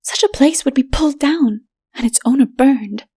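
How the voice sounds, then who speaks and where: A female narrator plays a high-voiced, haughty but fearful woman in a dark fantasy storybook. The delivery is breathy and whispery, timid and trembling, with a snobbish streak. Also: moderate pace, lightly acted. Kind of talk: dramatic audiobook reading.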